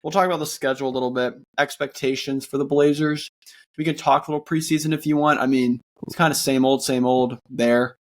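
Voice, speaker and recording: A male co-host of a casual sports podcast speaks earnestly and rambles, with plenty of fillers and restarts. He has a sore throat that makes his voice sound worn; it's medium-pitched, fairly even in intonation, and a little fast.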